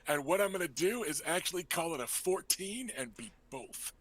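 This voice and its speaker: A man's voice: on the high side, expressive, moderate pace, fairly bright tone, slight background noise. A man playing in a tabletop game, chatting and joking as he explains his character choices at length. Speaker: player. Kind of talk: casual chat, building a character.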